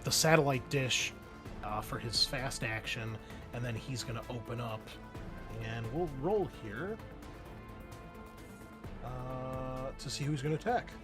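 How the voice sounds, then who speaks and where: A man's voice: mid-range voice, measured pace, pauses often. Man running a tabletop game over music. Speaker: game master. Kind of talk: narrating a tabletop game, casual.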